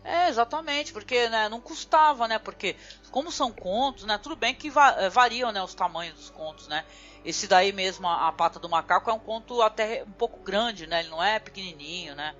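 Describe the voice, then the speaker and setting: A Brazilian woman hosts a podcast in a loose, casual chat, leaning on tag words again and again. Her voice sits at a middle pitch. The sound is dull and lo-fi, with faint music underneath. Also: animated, fairly quick, a bit bright. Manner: chatty, fills with "né" constantly. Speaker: podcast host.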